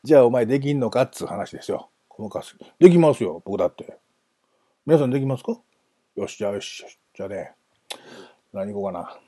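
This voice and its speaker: Casual guy with a lilt just chatting away, mellow husky voice, bouncy pitch, super dry sound. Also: expressive, fast talker, no room sound. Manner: chatty, aside-prone, self-amused. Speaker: podcast host. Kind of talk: casual solo talk on football history.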